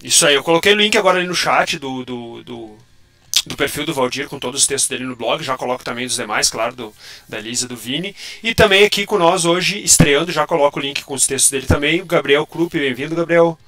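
A man's voice: on the high side, a little fast, pushed and bright. A man hosting a live online panel chat over a video call, his voice turned metallic and robot-like by an audio glitch, jokey and teasing. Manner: jokey, teasing, laughs often. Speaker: host of a publisher's live show. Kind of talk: casual livestream panel chat.

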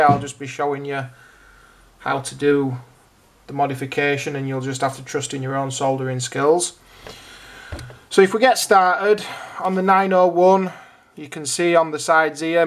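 A British man with a slightly high voice narrates an informal how-to video. He explains each step in turn as a hobbyist host would, in plain conversational phrasing.

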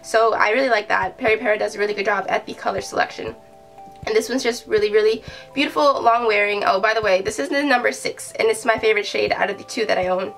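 A woman's voice: mid-range voice, quick pace, gravelly, a bit bright. Chatty young woman, nasal from a cold. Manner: chatty, enthusiastic, many fillers. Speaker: beauty vlogger. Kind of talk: casual product review. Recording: voice from a distance with faint music.

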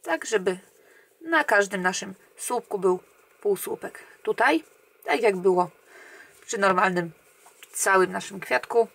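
A woman talks slowly and patiently through a crochet tutorial, counting each stitch under her breath. Her voice sits at a middle pitch, and she lets many counts fade down to near a murmur. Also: creaky. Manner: calm, counting stitches aloud, often trailing off quietly. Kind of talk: step-by-step crochet instruction.

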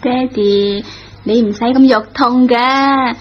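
High-voiced wheedling schoolgirl. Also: fairly even intonation, slow pace. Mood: persuading. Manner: coaxing, insistent. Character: wheedling, headstrong schoolgirl daughter. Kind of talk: radio drama acting. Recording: dull lo-fi radio recording.

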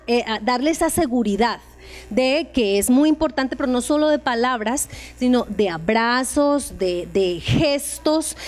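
Colombian woman, high voice, informal lecturer who talks straight to her audience. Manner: addresses listeners directly with questions; acts out short dialogues in changed voices. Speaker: speaker giving a talk to tutors. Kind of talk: informal lecture on emotional support.

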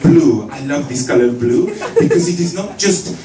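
A man's voice: fairly high pitch, sing-song. Brief: a man acting out a theatrical, gushing fashion designer, heard from afar in an echoey room. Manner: effusive, theatrical, drawn-out praise. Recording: echoey room, distant mic, noisy.

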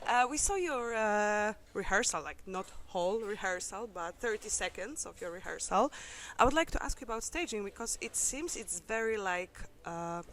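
A woman's voice: medium pitch, expressive, moderate pace, few pauses, a bit bright, a little hiss or hum. A woman from Poland with a Polish accent, interviewing a guest in a chatty, giggly way with rambling questions. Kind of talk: casual interview.

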